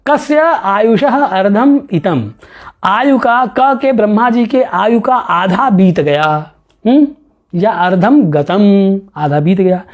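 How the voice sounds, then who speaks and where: A male professor giving a lecture on a classical astronomy text. He reads verses slowly, then explains them with rhetorical questions and chuckling asides. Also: sits high, lively intonation.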